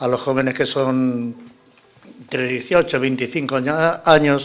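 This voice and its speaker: A man of medium pitch speaks at a moderate pace with fairly even intonation in an unremarkable speaking voice. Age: 60s. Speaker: addiction support volunteer, recovering alcoholic. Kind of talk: radio talk show interview.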